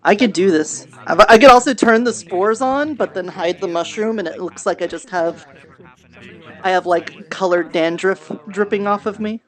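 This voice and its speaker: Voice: medium pitch, normal speed, rough recording. A roleplayer chatting casually in a joking, rambling way during an online social game session. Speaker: VRChat roleplayer. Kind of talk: casual chat.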